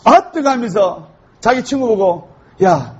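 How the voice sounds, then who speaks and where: A male Buddhist monk giving a humorous sermon, telling jokes and stories in an animated way. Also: high voice, fairly quick, breathy edge. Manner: joke-telling, animated storytelling. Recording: dull lo-fi recording.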